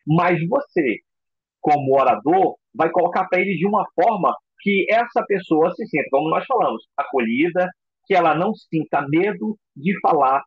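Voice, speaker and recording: A man teaching a recorded psychoanalysis lecture in an expressive way, acting out example voices. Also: a little high, breathy edge, no echo, dull audio. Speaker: psychoanalysis instructor.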